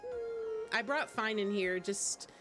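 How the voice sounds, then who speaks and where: A woman's voice: on the high side, wildly swooping pitch, slow pace. A woman hosting a game livestream, chatting informally with viewers as she plays. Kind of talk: casual chat while gaming, replying to viewers. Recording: music playing behind the voice. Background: game music.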